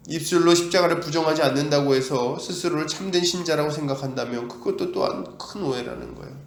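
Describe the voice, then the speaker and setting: Korean pastor guy preaching hard, high voice, rhetorical questions, echoey church sound. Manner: emphatic, asks the congregation rhetorical questions; acts out quoted voices of doubters and of God. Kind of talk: sermon.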